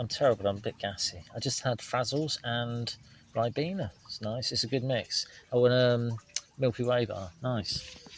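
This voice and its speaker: Over noticeable background noise, a man with a West Country accent speaks at a moderate pace, his medium pitch showing ordinary variation. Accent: West Country farmer-like. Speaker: gardener vlogger. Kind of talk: casual vlog walkthrough. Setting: outdoors in a polytunnel. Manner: casual, halting with many ums.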